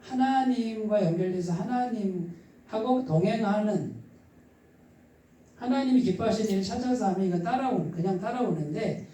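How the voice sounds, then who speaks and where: A man preaches in a very echoey church, picked up from some distance. His voice is husky, mellow and a little stifled. He talks to the congregation conversationally, often asking a question and then answering it himself. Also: high voice, moderate pace, slight background noise. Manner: asks the congregation rhetorical questions and answers them. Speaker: pastor preaching. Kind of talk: conversational sermon. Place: church midweek service, echoing room.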